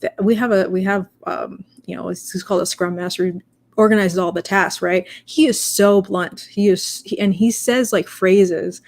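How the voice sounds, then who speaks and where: A woman's voice: medium pitch, fairly even intonation, normal speed, gravelly. A young woman in casual discussion, talking in a rambling way with many fillers and restarts.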